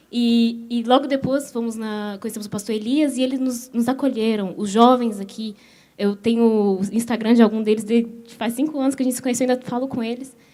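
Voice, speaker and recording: Fairly quick speech comes from a woman with a Brazilian accent. Her intonation stays fairly even. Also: fairly high pitch for a woman. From Belgium. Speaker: missionary's daughter. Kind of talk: testimony.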